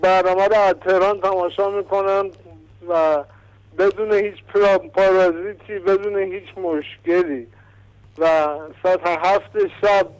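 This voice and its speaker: A man's voice: high-pitched, fairly even intonation, smooth, rough recording. A young man calling in to a talk show, enthusiastically praising it and mixing in English phrases. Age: young adult. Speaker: caller. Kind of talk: call-in praise.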